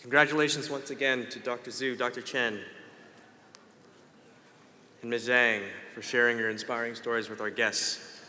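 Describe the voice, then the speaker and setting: Bright-voiced man emceeing, off-mic. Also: mid-range voice, steady tone, normal speed, pauses often. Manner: improvising, apologetic. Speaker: master of ceremonies. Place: banquet hall. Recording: distant voice with long hall reverb.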